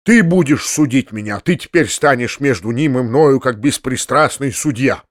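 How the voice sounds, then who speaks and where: A man playing an excitable old-style landowner uncle. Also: mid-range voice, normal speed, no echo, clean studio sound, lightly acted. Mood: heartfelt. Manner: emotional, bursts into furious shouted orders. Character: excitable middle-aged landowner uncle, former cavalry officer.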